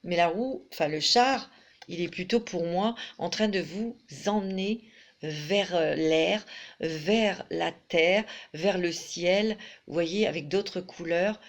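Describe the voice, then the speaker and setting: A woman's voice: on the low side, slow. A middle-aged woman giving a chatty tarot reading to camera, full of fillers and restarts. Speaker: tarot reader.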